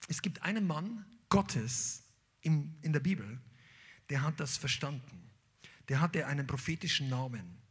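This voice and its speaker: A man preaching a sermon as pastor, animated and emphatic, with sudden loud peaks. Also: on the high side, measured pace, husky.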